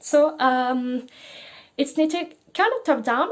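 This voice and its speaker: A woman with a French accent speaks at a fairly slow pace. Her pitch is high, with ordinary variation. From France. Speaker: knitting podcaster. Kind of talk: casual chat. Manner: halting.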